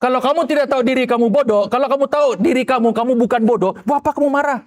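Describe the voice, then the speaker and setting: A man preaching a sermon as pastor, animated, firing rhetorical questions and acting out quoted voices. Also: very high-pitched, racing.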